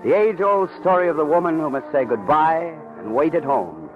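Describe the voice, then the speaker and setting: A man's voice: a little high, expressive, normal speed. A man delivering dramatic scripted narration for an old radio programme. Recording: muffled old radio recording, music.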